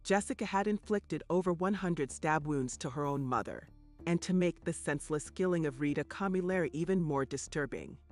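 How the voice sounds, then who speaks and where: A man reading scripted true crime documentary narration in a grave, measured way. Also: on the high side.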